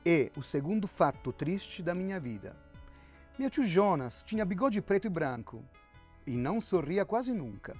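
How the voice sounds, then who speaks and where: A man's voice: high voice, very animated, moderate pace, a little mellow, faint music behind. A man in his fifties with an Italian accent, a guest author talking in a musing way and often restarting his sentences. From Italy. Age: 50s. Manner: musing, with frequent restarts and fillers. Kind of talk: reflective interview talk.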